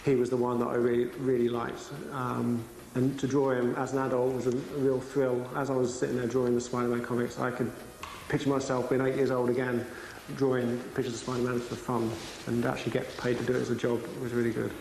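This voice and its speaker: A man's voice: mid-range voice, monotone, brisk, vocal fry, a little mellow. Fond, reflective man in an echoey room. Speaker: comic artist. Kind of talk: documentary interview. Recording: echoey room with long reverb.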